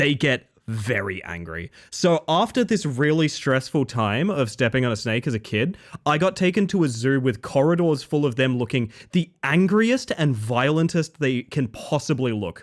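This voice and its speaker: A man with an Australian accent talks at a moderate pace in a fairly high pitch. His pitch swings very widely, and the recording is very clean with a silent background. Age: 30s. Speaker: streamer. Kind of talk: casual chat. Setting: live stream. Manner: halting.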